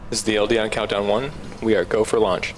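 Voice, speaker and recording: A man's voice: on the low side, steady tone, fast. A man giving clipped launch countdown callouts as a launch control operator, heard over a crackly radio comm loop.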